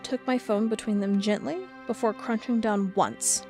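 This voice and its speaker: A woman acts out a stubborn, driven investigator of strange creatures. She speaks with dramatic, expressive intensity at an average pitch, as in an audio drama. Soft music sits behind her voice. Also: normal speed, lightly acted. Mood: awed, uneasy. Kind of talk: audio drama narration and dialogue.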